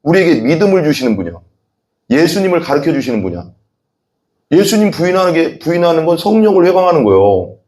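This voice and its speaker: A man's voice: fairly high pitch, fast talker. Male pastor preaching a sermon, voices the quotes himself and asks the congregation questions. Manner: animated, acts out voices in quoted dialogue; asks the congregation questions and has them repeat.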